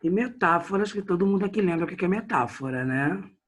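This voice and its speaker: A man's voice: high-pitched, lively intonation, fast talker, fairly bright tone. A Brazilian man teaching a literature class online, chatty and addressing his students directly. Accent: Brazilian Portuguese.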